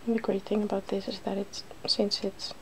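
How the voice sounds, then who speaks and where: A woman hosting an ASMR video, talking softly through a hands-on demonstration and slipping now and then into whispers. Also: mid-range voice, level tone, fairly quick. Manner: soft-spoken, slipping into whispers. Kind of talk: ASMR, soft-spoken makeup demonstration. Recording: clear background noise.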